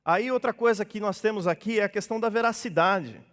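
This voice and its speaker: A man's voice: sits high, brisk, fairly bright tone. A man from Brazil, a pastor, preaching a sermon in a conversational way and acting out little dialogues. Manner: conversational preaching, acts out dialogues in changed voices. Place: church hall. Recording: long church reverb.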